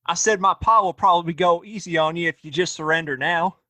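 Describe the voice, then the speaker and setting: A cocky young frontier lawman, played by a man, pitched high for a male voice. He taunts in folksy Western talk with a bright, forceful edge, recorded close and dry. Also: moderate pace, no room sound. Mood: smug. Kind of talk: audio play Western acting.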